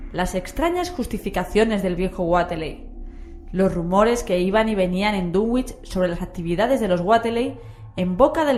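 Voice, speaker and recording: A woman's voice: mid-range voice, a little mellow. A woman with a Castilian Spanish accent co-hosting a horror radio show, reading dramatic scripted narration with suspense. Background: music.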